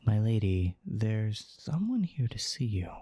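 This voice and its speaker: An actor playing a deferential, hushed demon servant in a scripted ASMR roleplay. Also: medium pitch, very animated, unhurried, breathy edge, no echo, clean studio sound.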